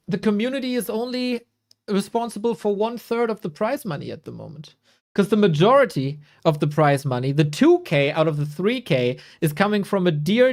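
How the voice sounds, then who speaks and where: A man from Germany, hosting a live esports broadcast and reading a sponsor spot in a chatty, playful, self-mocking way. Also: sits high. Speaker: esports caster and host.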